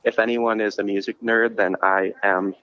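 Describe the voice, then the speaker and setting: Calling in from a coffee shop over a muffled phone line, a Minnesota man with a lower-pitched voice joins as an interview guest; he himself hosts a podcast and promotes concerts. He talks at a moderate pace with a flat delivery, spinning loose, relaxed stories full of restarts and "like" fillers.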